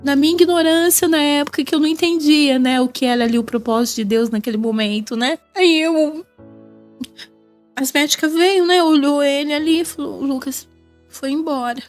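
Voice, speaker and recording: Tearful high-voiced Brazilian woman. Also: steady tone, brisk, soft background music. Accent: Brazilian Portuguese. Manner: tearful, repeats phrases, raises voice in bursts. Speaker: mother giving a faith testimony. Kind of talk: emotional spoken testimony.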